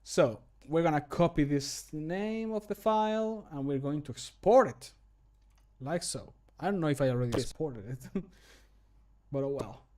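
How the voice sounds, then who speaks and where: A man in his thirties chatting casually and jokily on a livestream, in an animated, self-amused way. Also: fairly high pitch, a little slow. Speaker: streamer and hobby game modder recording voice lines. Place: small home room, indoors.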